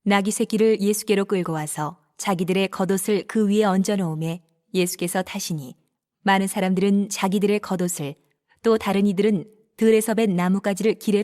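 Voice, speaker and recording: Woman reading bible narration, medium voice, formal n measured, scripted. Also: mid-range voice, fairly even intonation, darkish tone. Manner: measured, formal read delivery.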